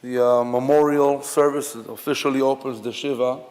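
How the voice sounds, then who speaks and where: A man from Israel with an Israeli accent, giving a memorial eulogy in a halting, reflective way with many fillers and restarts. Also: medium pitch, fairly even intonation, a little mellow. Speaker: officiant at a memorial service. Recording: long hall reverb.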